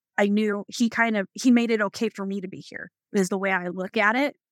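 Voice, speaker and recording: With a normal speaking voice, a woman talks at a fairly quick pace and medium pitch, with ordinary pitch variation. The sound is dry and close, with no echo. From Arizona. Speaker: high school principal. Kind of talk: radio interview.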